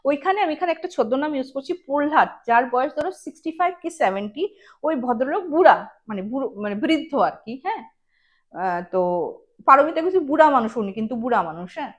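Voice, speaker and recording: Female horror podcast storyteller: high voice, chatty, direct to the listener, sprinkles English words. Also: animated, a little fast. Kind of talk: informal spoken ghost storytelling.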